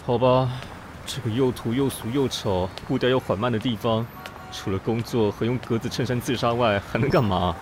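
A man's voice: medium pitch, moderate pace, noisy background, lightly acted. An actor playing a fussy, snobbish, theatrically exasperated gay city man in a sarcastic radio drama. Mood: grumbling, disdainful. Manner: melodramatic, sarcastic, swinging from muttering to shrieking. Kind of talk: radio drama acting with inner monologue.

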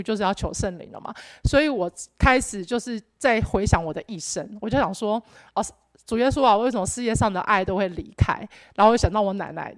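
A woman's voice: on the high side, no room sound. A young woman gives an earnest personal testimony at church, rambling with restarts and fillers. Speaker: church member giving testimony.

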